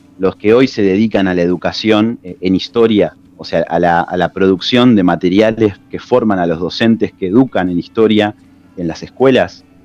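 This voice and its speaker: A man speaks with a fairly low pitch. His pace is moderate and his intonation fairly even. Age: 30s. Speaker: history teacher and researcher. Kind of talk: radio interview. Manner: halting, many fillers and repetitions.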